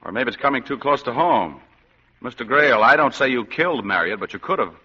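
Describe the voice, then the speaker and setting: A man's voice: mid-range voice, lively intonation, fairly quick, sharp tone, husky. An actor playing a weary, wisecracking male private detective in a 1940s-style radio drama. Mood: wry. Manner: wisecracking, sardonic. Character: hard-boiled male private eye, sardonic, weary. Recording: dull lo-fi old radio recording.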